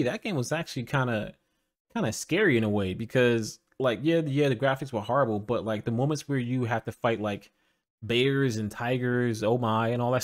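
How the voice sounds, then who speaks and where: Male podcast host, mid-pitched, easygoing, agreeable, quick to laugh. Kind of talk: casual podcast chat.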